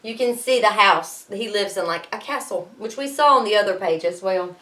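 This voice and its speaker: A woman teacher reading a storybook aloud to students in an expressive way, pausing to explain things. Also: mid-range voice, rough recording.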